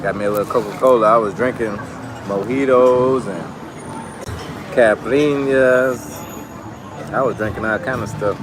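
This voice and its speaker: Talking to his camera outside at night near the bars, a man with a fairly deep voice rambles in a relaxed, chatty way at normal speed, stopping often and leaning on "like." As a travel vlog, the street audio is low quality, with loud music drifting from the nearby bars.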